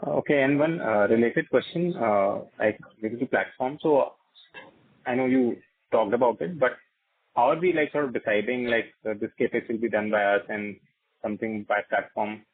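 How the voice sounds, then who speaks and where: Indian analyst guy, mid pitch, asking questions in bits over a tinny phone line. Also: moderate pace, slightly rough. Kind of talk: questions on an earnings call.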